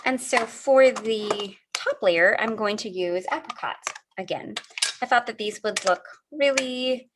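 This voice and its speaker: A woman's voice: fairly high pitch, unhurried, background noise. A middle-aged woman hosts a live craft demo over a video call, talking viewers through each step in a friendly, chatty way. She is a little sniffly and often stops to answer comments from the chat. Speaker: craft livestream host.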